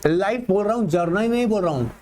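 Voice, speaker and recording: High-voiced Indian man teaching a class. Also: lively intonation, a little mellow, a little hiss or hum. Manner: mixes Hindi and English, reads slowly and explains fast; addresses students directly, repeats points. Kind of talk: online exam-prep lecture.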